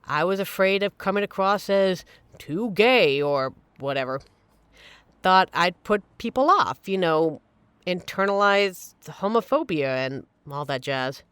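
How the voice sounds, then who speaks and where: Woman acting supportive young female friend, audio roleplay, slightly low pitch, lively intonation, casual reassuring delivery, playful exaggeration, dry sound. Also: a little slow, clear, resonant tone, no echo. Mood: gentle, reassuring. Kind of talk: audio roleplay, conversational monologue to listener.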